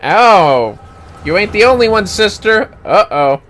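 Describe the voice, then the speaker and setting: A man's voice: sits high, big pitch swings, unhurried, fairly bright tone. A man livestreaming a video game, chatting casually with reactive, sweary asides.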